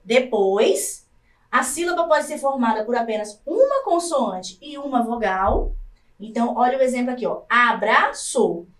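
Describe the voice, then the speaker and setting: A Brazilian Portuguese-speaking woman teaching a recorded lesson for adult learners, slowly sounding out syllables one by one. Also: high-pitched, far from the mic. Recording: echoey room, voice off-mic.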